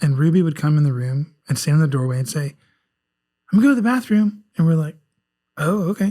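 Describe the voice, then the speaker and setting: A man with an American accent speaks fairly quickly at a fairly high pitch, somewhat breathy. His tone is dark and mellow, and his pitch varies in an ordinary way. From US South, South Carolina. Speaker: children's book author. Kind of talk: casual chat. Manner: halting.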